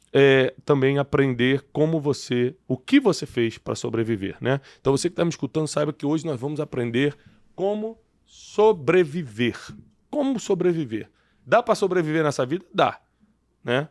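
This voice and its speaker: A man with a fairly high pitch speaks at a moderate pace with lively intonation and long, frequent pauses, in a very clean recording with a silent background and a dry, close sound with no echo. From Rio de Janeiro, Brazil. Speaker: podcast host. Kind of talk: interview podcast.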